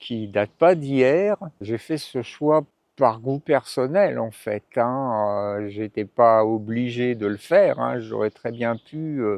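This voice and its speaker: At a very slow pace, a man talks with medium pitch and ordinary pitch variation. The sound is dry and close, with no echo. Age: 60s. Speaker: vlogger, solo van traveller. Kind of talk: personal vlog monologue. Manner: hesitant, many fillers.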